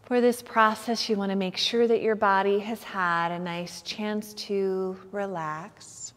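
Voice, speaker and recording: A woman teaching yoga nidra, guiding a meditation in a soothing, gentle manner with unhurried pauses. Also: medium pitch, steady tone. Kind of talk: guided meditation instruction. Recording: long hall-like reverb.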